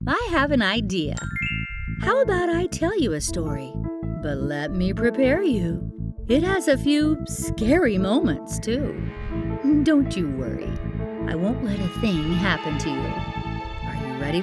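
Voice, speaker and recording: A woman telling a children's story, gentle and expressive, with startled exclamations. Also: mid-range voice. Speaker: storyteller host. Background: music.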